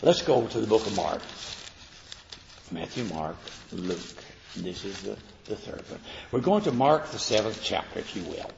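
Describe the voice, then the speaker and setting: A man's voice: lowish voice, lively intonation, measured pace, vocal fry, slight background noise. A man preaching an evening sermon, reading scripture aloud and pressing his points earnestly, rising to emphatic peaks. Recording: echoey hall, dull lo-fi recording.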